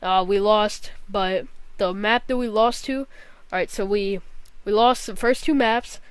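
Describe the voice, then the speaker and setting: A woman's voice: medium pitch, a little slow, clean tone, dry recording. A young woman gaming vlogger telling a long story casually, rambling with lots of fillers and swearing bluntly.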